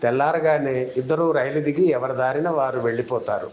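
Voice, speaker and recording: A man's voice: medium pitch, a little fast, a little mellow. A man reading a scripted storytelling narration. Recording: dull, roomy echo, faint noise.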